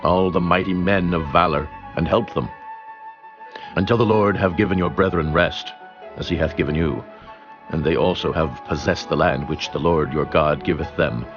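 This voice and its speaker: Grave ancient commander, male actor, extremely low and authoritative, clear music behind, scripture drama. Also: lightly acted. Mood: commanding. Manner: measured, authoritative. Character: Joshua, grave commanding male leader of Israel. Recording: dull, muffled audio.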